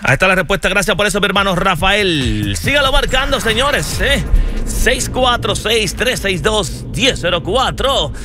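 Upbeat radio host, high voice over music. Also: male voice, sing-song, normal speed. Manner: upbeat announcer, drawls the phone number. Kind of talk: live call-in radio hosting.

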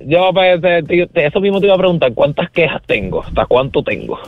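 Exasperated caller on phone line. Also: male voice, fairly high pitch, expressive, fairly quick, no echo, soft background music. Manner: blunt, exasperated, slangy. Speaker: caller, rideshare driver. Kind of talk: phone call-in complaint. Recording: tinny dry phone line.

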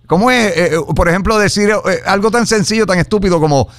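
Smooth, higher-pitched man. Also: quick pace, no echo. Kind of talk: casual chat, reacting.

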